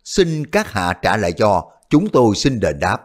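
A male storyteller reading a wuxia novel aloud. His delivery is animated, with a wide, lively pitch that lifts the scenes. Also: unhurried. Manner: expressive, animated. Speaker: audiobook narrator. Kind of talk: scripted storytelling narration.

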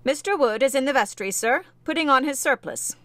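A woman's voice: sits high, expressive, brisk, a bit bright, no echo, voice pushed up. A woman voicing a deferential male footman who gives polite, short answers.

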